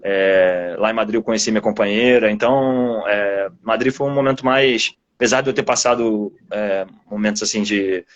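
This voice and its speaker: Brazilian male author in casual interview: lowish voice, reflective and halting delivery, muffled lo-fi recording. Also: steady tone. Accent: Brazilian Portuguese. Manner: reflective, halting, rambling with repeated phrases. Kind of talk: casual live interview, personal anecdotes.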